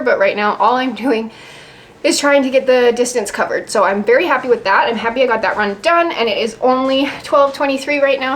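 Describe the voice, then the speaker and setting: Casual woman vlogger with a highish voice. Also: fairly bright tone. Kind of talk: casual vlog chat. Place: at home, indoors. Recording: light ambient background noise.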